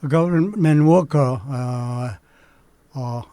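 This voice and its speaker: A man in his eighties, a native Korean speaker, recalling his childhood in an interview and pausing often between phrases. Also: mid-range voice, dark tone, smooth, no echo. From Manchuria. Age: 80s. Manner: halting, with frequent pauses and fillers. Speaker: interview guest. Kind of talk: unscripted life-story interview.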